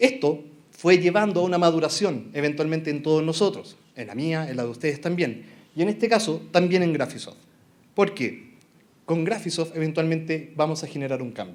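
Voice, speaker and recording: Audible room echo surrounds a voice with a Chilean accent and ordinary pitch variation. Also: man, fairly high pitch for a man. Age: 40s. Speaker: architect and software consultant. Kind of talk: conference presentation. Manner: fast.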